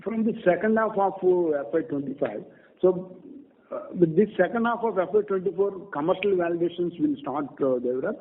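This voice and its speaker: A man with an Indian accent answers as an executive on a muffled conference line. His voice sits a little high and sounds husky. His answers are brief and halting. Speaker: company executive. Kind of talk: answering questions on an earnings call.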